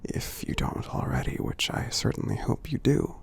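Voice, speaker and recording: A man voicing a kindly, reassuring giant in a soothing ASMR roleplay, half-whispering with a husky, gravelly creak and halting delivery. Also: close to an everyday voice. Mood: soothing, caring. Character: gentle friendly male giant, kindly and reassuring. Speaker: ASMR performer.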